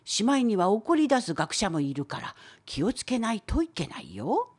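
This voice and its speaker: A woman voicing a wise, opinionated old professor in an educational cartoon, with a creaky, husky old-timer voice and a wry lecturing manner. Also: mid-range voice, sing-song, moderate pace, a little mellow. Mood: wry, explaining. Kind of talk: scripted educational cartoon dialogue.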